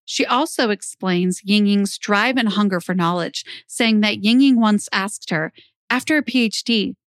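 A woman's voice: medium pitch, unhurried, no echo. A young woman hosting a true crime podcast, reading scripted narration into a close microphone. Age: young adult. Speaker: podcast host.

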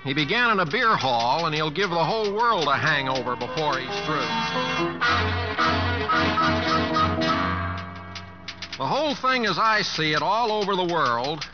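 An actor playing a plain-spoken, good-natured middle-aged cowboy humorist with a Southwestern American drawl in a vintage radio drama. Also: male voice, on the high side, big pitch swings, a little fast, few pauses. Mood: wry, declaiming. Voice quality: folksy drawl, homespun grammar. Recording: dull vintage radio recording, faint music.

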